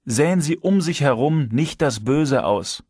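A man's voice: measured pace, breathy edge, no echo. Male reader playing a teasing ex-cop security chief, lifts his voice, dry audiobook sound. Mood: earnest. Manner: lively, teasing, raised pitch. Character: shrewd, moralizing male security chief, ex-detective.

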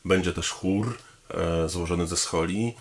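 A man with a very low voice speaks slowly and thoughtfully in a promotional statement. He addresses his listeners politely and stops often on hesitation sounds while he finds his words. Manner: measured and thoughtful, with frequent hesitation fillers; formal, polite address to the audience. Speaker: pianist, composer and arranger. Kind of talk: promotional talking-head statement.

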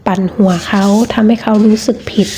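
A woman giving a casual tarot reading, talking in a gentle, chatty way with frequent restarts. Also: mid-range voice, flat delivery, a little fast, slight background noise. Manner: chatty, repeats words and restarts often. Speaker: tarot reader.

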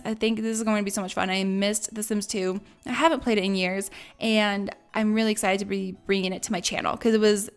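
A woman's voice: mid-range voice, clear, resonant tone. A young woman casually commenting over a life-sim game, chatty and upbeat with lots of fillers, her voice a bit strained as it goes out. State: losing her voice. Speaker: let's play host.

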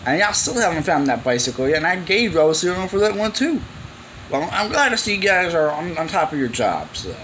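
Indoors amid garage clutter, a young vlogger gives a slangy, meandering account to camera, acting out the quoted lines. He speaks briskly in a fairly high, a bit bright voice with big pitch swings, on a rough recording with slight hiss or hum.

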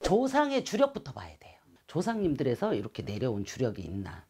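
A woman's voice: very deep voice, huge pitch swings, a little fast, darkish tone, breathy edge. A middle-aged woman, a shaman fortune teller, earnestly explaining things in an interview, speaking in a shrine room with a clip-on mic. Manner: earnest, explanatory, gestures with hands. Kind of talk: interview answers. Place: shrine room with calligraphy screens.

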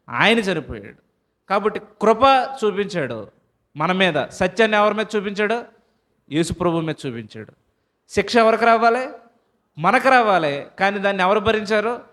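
Brief: male preacher, high voice, call-and-answer sermon style, slow scripture readings. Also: a bit bright. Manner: asks the congregation questions and answers them himself; reads scripture slowly and deliberately.

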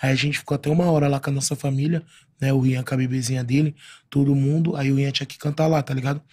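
A man's voice: medium pitch, fast, breathy edge. A man, a podcast guest telling a story in casual chat, acting out what others said with plenty of slang. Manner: animated storyteller, acts out quoted voices with slang.

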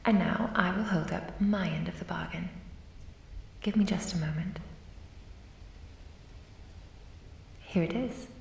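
A woman voicing a lovesick female ghost in an audio roleplay, whispering softly and intimately as she turns quietly sinister. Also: mid-range voice, a little hiss or hum, lightly acted. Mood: tender. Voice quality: soft breathy whisper. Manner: intimate, doting, calmly sinister. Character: lovesick female ghost, tender yet deadly. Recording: roomy, distant mic.

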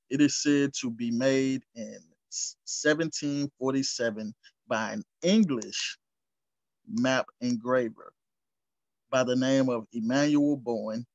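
A man hosting a history channel reads source texts aloud and explains them in a slow, deliberate way, tripping over long words and tossing in casual asides. His voice is mid-range and a bit mellow, captured in a dry, dull lo-fi recording.

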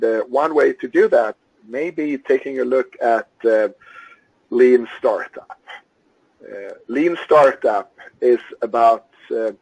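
A Swedish-born man whose first language is Swedish lectures over slides in a slightly husky voice. He pauses often, filling gaps with uhs and ums, at a middling pitch. The sound is dry and close, with no room around it. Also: darkish tone, no echo, lo-fi sound. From Sweden. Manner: halting, many uhs and ums. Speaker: Scrum trainer.

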